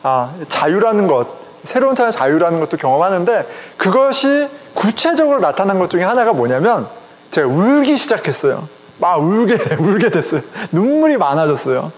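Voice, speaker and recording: A middle-aged man, a pastor, preaching a sermon in a conversational, animated way, speaking directly to his congregation. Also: sits high, a little fast. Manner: conversational, animated, chuckles often, addresses congregation. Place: church sanctuary. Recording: long reverb of a church hall.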